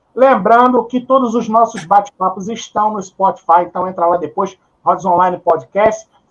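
A man speaks with a Rio de Janeiro accent and a high pitch. He leaves hardly any pauses. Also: ordinary pitch variation, moderate pace. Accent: carioca. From Rio de Janeiro, Brazil. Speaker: YouTube channel host. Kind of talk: casual chat.

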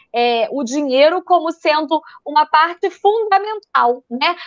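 With a Rio de Janeiro accent, a woman speaks at an extremely high pitch with lively intonation, recorded dry and close with no echo. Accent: carioca. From Rio de Janeiro, Brazil. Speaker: financial coach. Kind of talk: live-stream interview.

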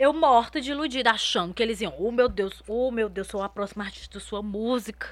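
In a Cearense accent, a woman speaks with vocal fry, an animated tone and medium pitch at a moderate pace, on a very clean recording with a silent background. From Ceará, Brazil (Fortaleza). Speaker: singer and actress. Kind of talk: casual interview.

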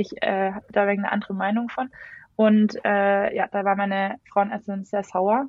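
The speaker is a woman. Her voice falls at a medium pitch. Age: 30s. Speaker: physiotherapist and yoga teacher sharing birth story. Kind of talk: interview.

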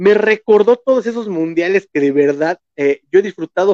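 An animated tone at a moderate pace, with a Mexican accent. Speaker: podcast co-host. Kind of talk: casual chat.

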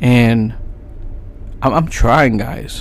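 A man at a medium pitch, slow pace.

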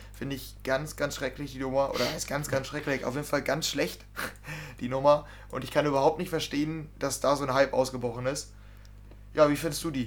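Despite a fairly quick pace, a man leaves long, frequent pauses. His fairly high voice holds a monotone, flat intonation. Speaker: music podcast co-host. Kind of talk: casual chat. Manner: loud.

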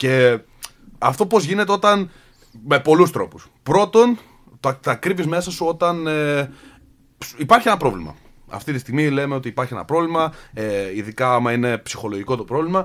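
A man with a fairly high pitch, very wide pitch swings, a moderate pace and long, frequent pauses. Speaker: podcast co-host. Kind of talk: casual chat.

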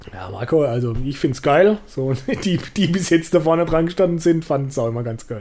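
With lively intonation, a man speaks at a moderate pace. He has an ordinary speaking voice. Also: fairly high pitch for a man. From Baden, Karlsruhe. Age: 40s. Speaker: DJ. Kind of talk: casual chat.

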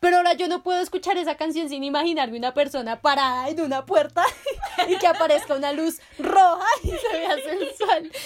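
Over noticeable background noise, a woman speaks at a fairly quick pace with an extremely high pitch and ordinary pitch variation. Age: 20s. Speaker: podcast co-host. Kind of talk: casual chat.

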